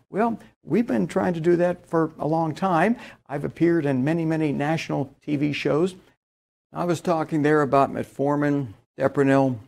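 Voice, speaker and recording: A man's voice: fairly high pitch, creaky, darkish tone. A man giving a conference keynote lecture, explaining research with enthusiasm. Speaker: keynote speaker. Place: indoors, in front of a slide backdrop.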